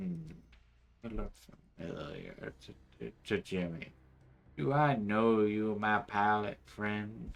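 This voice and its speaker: A man performs a put-on character voice, fairly low in pitch with lively intonation. He talks at a fairly slow pace, with long, frequent pauses. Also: big swings in loudness. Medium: game stream. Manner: hustling, refers to himself in third person.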